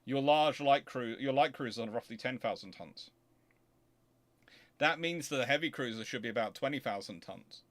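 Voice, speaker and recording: A man hosts an off-the-cuff explanatory talk, answering audience questions in an emphatic, digressive style and frequently correcting himself. His voice is mid-range and his speed is normal.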